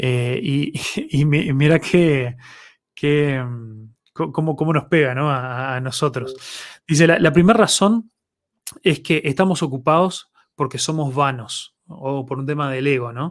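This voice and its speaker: A man speaks at a very slow pace with a fairly high pitch and ordinary pitch variation. The recording is very clean, with a silent background. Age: 30s. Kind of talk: casual interview chat. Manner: halting, many repetitions and fillers.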